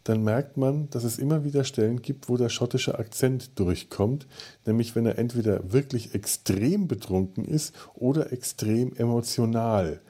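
A man's voice: mid-range voice, normal speed, mellow. A man co-hosting a podcast, talking casually with many fillers and restarts. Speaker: podcast host.

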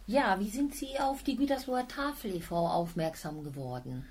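A woman hosts a local radio interview, welcoming her guests and encouraging them to talk. Her voice sits at an ordinary middle pitch. A faint background hiss runs under her speech. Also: normal speed, darkish tone. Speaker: radio show host.

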